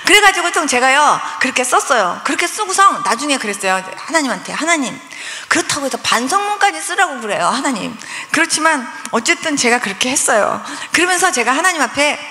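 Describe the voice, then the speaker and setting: Woman pastor, testimony sermon, lively and bright, echoey hall. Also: sits high. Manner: animated storytelling, acting out quoted voices. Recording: echoey hall with long reverb.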